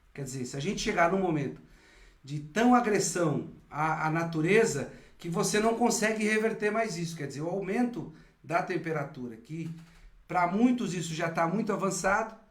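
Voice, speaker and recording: A man speaks at a moderate pace in a high pitch. Room echo is audible around him. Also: ordinary pitch variation. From São Paulo, Brazil. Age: 50s. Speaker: union leader and live-stream host. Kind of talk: live-stream interview. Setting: online live stream. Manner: halting, with many repetitions.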